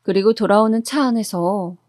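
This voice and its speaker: A woman reading a first-person true-life story in a steady, even storytelling manner, recorded on a close studio mic. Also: mid-range voice, moderate pace, dry recording.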